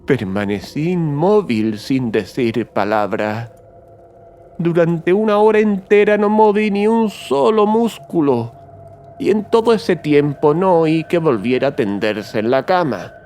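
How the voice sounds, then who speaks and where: An unhinged, high-pitched gloating murderer. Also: male voice, lively intonation, measured pace, a little hiss or hum. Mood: sly, hushed menace. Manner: theatrical, unhinged, swings from hushed to agitated. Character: mad, gloating male murderer confessing his crime. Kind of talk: dramatic horror audiobook narration.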